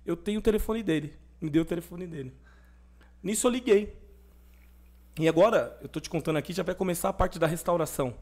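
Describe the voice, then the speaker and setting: His voice sits high and he talks fast: a young adult man appearing as a podcast guest to tell his personal faith story. In lively conversation, he acts out the voices of those he quotes.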